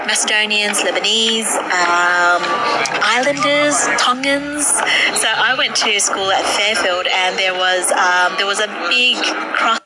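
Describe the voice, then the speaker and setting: A woman's voice: mid-range voice, measured pace. Australian woman, upbeat live-stream host, harbourside, heavy outdoor noise. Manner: chatty and upbeat, reads and answers comments. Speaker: livestream host. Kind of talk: casual live chat answering viewers. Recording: loud outdoor noise, waves and passers-by. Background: waves lapping, people walking past.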